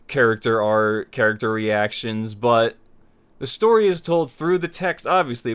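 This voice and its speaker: A man with a smooth, clean voice at an ordinary male pitch hosts a tutorial. He talks informally to his viewers, circling back to restate points as he explains. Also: a bit bright. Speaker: host of a tutorial series on making visual novels. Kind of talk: casual scripted-outline tutorial talk to viewers.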